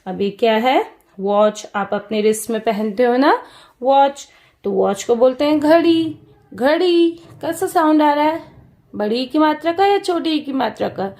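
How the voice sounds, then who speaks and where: A woman teaching a lesson to young children, repeating each question and answer slowly. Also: high-pitched, lively intonation, a little mellow.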